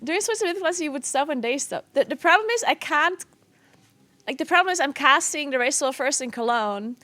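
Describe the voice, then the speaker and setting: This game streamer and esports caster from South Tyrol, Italy, speaks accented English as a non-native and giggles a lot in casual stream chat. Her high voice is bright, forceful and animated, running a little fast. No room sound comes through.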